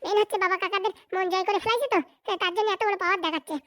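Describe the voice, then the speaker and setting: Padu, a grumpy cartoon husband. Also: male voice, very high-pitched, fairly even intonation, rapid-fire, bright, forceful tone, no room sound, clean studio sound. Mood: grumbling. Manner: snappish, dismissive bickering. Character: irritable cartoon husband, boastful and impatient. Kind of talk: sped-up cartoon voice acting.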